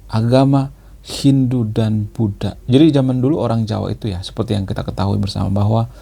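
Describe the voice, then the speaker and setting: A man's voice: on the low side, steady tone, a little fast, creaky, warm tone, slightly rough. A man hosting a channel, explaining in a chatty monologue that repeats words for emphasis. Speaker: channel host.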